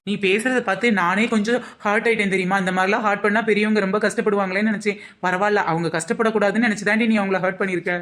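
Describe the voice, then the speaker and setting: Woman voicing fast-talking cartoon girl Poomari. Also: medium pitch, steady tone, a bit bright, natural voice. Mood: chatty. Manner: rapid, chatty gossiping. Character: chatty teenage girl Poomari from a poor home. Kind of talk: cartoon voice acting.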